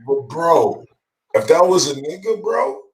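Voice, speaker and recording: A man's voice: a little high, very animated, unhurried. A man co-hosting a casual talk show, slangy and profane, jumping in with his opinions, in an echoey room sound. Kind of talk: casual chat. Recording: roomy, echoey voice pickup.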